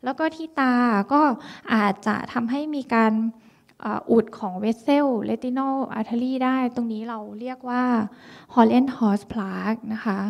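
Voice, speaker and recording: A woman's voice: on the high side, fairly even intonation, takes it slowly, gravelly. A woman physician giving a dermatology lecture, explaining conditions step by step and mixing in many English medical terms. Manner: explanatory, mixes English medical terms, frequent polite particles.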